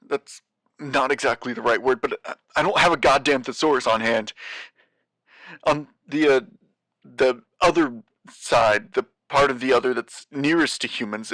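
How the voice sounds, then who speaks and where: An actor playing a weary, haunted postmaster of a doomed city in an audio drama, speaking gravely and haltingly as he searches for words. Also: medium pitch, bright, forceful tone, no room sound. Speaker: guest voice actor. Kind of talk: audio drama monologue, recorded message.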